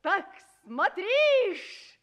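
An actress playing a haughty, cruel young princess, melodramatic and imperious, in a 1960s recording of a stage comedy. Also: female voice, extremely high pitch, very animated, extremely slow, highs cut off, full character voice. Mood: menacing, alluring. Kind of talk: declaimed theatrical verse of 1960s stage comedy. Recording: 1960s radio stage recording, audience behind.

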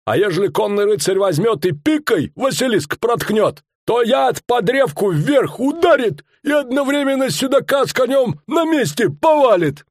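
A bellowing fairground barker. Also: male voice, very high voice, big pitch swings, no room sound, studio quality, voice pushed up, exaggerated voice. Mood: boastful. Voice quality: rustic old-fashioned speech. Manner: bellowing, drawn-out showman's patter. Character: loud middle-aged male fairground barker, boastful.

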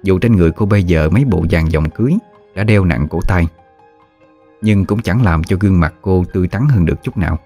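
A man narrating a ghost story in a measured, hushed way. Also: sits low, faint music behind.

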